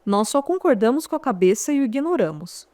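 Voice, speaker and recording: This audiobook narrator, a Brazilian woman with a higher voice, tells her first-person memoir in a conversational, storytelling way, adding wry asides to the listener. Her delivery is sing-song and brisk, with a dark tone. The recording is dry.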